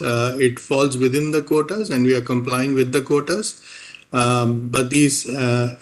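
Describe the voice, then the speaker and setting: Male finance executive, average pitch, formal, deliberate phrasing with frequent pauses. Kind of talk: answering questions on an earnings call.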